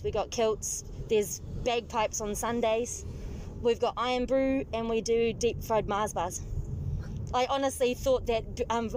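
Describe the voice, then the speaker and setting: A young woman from New Zealand with a Kiwi accent, chatting as a passenger and telling stories with lively asides. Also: a little high, a little hiss or hum. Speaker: taxi rider guest. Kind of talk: casual chat. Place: in a moving car.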